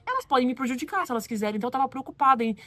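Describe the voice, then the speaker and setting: A Brazilian woman with a Brazilian Portuguese accent telling a story in a casual vlog, animated and acting out what others said. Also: sits high, rapid-fire, dry recording. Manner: animated, acts out quoted voices. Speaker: vlogger.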